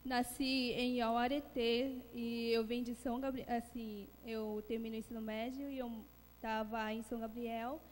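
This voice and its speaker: A woman student introducing herself on stage at a welcome event, pausing to search for words. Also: fairly high pitch, level tone, darkish tone. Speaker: incoming student. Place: large auditorium. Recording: long hall reverb, faint noise.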